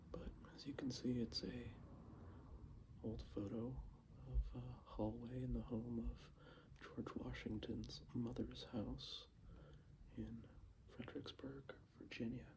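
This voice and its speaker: The speaker talks very slowly and softly, with long, frequent pauses. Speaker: ASMR creator. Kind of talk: ASMR soft-spoken show and tell. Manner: soft-spoken.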